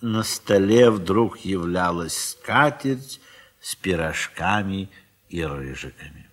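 A man with a deep, roughened voice narrates classic prose for an audio play. His delivery is measured and scripted, that of a storyteller. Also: lively intonation, fairly bright tone.

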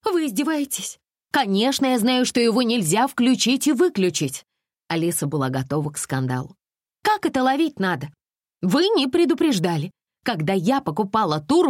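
A woman voicing a flighty, demanding woman of thirty, Alice, with a shrill, petulant manner. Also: animated, moderate pace, a little mellow, no echo, clean studio sound. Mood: indignant.

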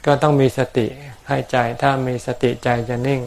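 A Buddhist monk calmly answering questions from his followers in plain words, with homely examples and touches of dry humor. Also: medium pitch, normal speed. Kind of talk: dharma talk answering questions.

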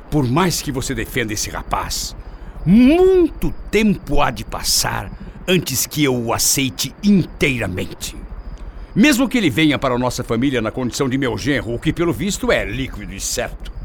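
A man's voice: mid-range voice, a little hiss or hum. An actor with a Brazilian accent playing a scheming father who feigns devotion in earnest, declamatory radio drama style. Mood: falsely solemn. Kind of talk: radio soap opera acting.

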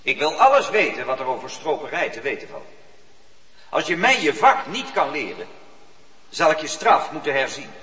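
A man's voice: a little high, big pitch swings, moderate pace, bright, forceful tone, a little hiss or hum. An actor playing a stern, inquisitive man of authority in a radio drama, with a commanding, skeptical, probing manner. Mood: intrigued, commanding. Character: stern, inquisitive male authority questioning a prisoner. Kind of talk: Dutch radio drama acting. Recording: muffled, reverberant radio drama recording.

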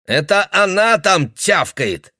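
A man voicing a confused, angry old father who shouts accusations. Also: high-pitched, sing-song, takes it slowly, no room sound, studio quality, pitched above the performer's own voice, heavily acted. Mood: suspicious.

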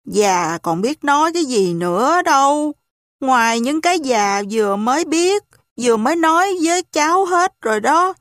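A woman voicing an old, hard-of-hearing landlady who is gossipy and fretful, in a slow, lowered, grumbling old-woman voice for an audiobook. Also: animated, fairly bright tone, no room sound, studio quality. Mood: helpless. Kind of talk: audiobook character voice.

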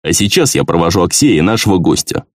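A man voicing a stern old gnome army colonel who talks in a gruff, matter-of-fact way. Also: deep voice, very animated, fast talker, no echo, studio quality.

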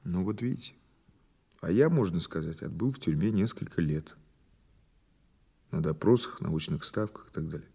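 An actor playing a patient, skeptical police investigator in an audio drama, questioning in a halting, conversational, insistent way. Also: male voice, deep voice, expressive, warm tone, slightly rough, full character voice. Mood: dry, skeptical. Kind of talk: naturalistic audio drama dialogue.

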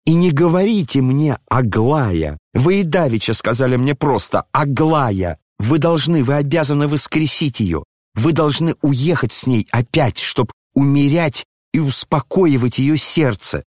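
A man's voice: medium pitch, expressive, a little slow, darkish tone, no room sound, clean studio sound, voice pushed up. A man reading an audiobook, voicing an agitated, proud young woman who questions and reproaches urgently.

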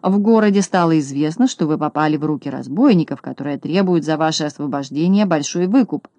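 A reader voicing a smooth-talking male swindler who speaks with mock politeness, in a dry audiobook recording. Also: medium pitch, fairly quick, warm tone, no room sound, close to an everyday voice. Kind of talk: audiobook narration.

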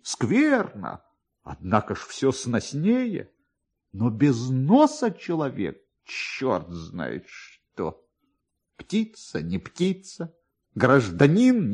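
A man acting proud distraught male official, theatrical lamenting, literary drama, dark husky voice, wide pitch swings. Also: full character voice. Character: proud touchy male collegiate assessor, self-pitying and distraught.

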